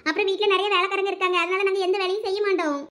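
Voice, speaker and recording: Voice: very high voice, flat delivery, racing, a bit bright. A voice actor playing a spoiled, food-loving young city bride in a village cartoon, with a childish, whiny manner and a Thoothukudi Tamil accent. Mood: giddy.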